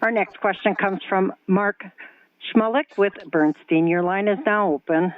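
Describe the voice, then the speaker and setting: Male conference operator, high pitch, formal scripted announcements, thin telephone-band sound. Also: measured pace. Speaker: call operator. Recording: tinny narrow phone line.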